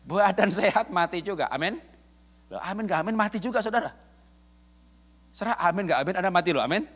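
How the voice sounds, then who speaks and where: A middle-aged male pastor from Indonesia giving a lively, humorous church sermon, often chuckling as he speaks to the congregation. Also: high-pitched, a little fast. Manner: jokey, addresses congregation as "saudara", chuckles often. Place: church service.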